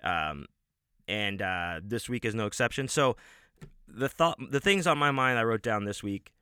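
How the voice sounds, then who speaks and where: A man's voice: lowish voice, expressive, moderate pace, sharp tone, smooth, dry recording, clean studio sound. A man hosting his own show, talking casually and at length with many restarts and fillers, and swearing now and then. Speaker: podcast host and audiobook narrator. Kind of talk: casual rambling monologue.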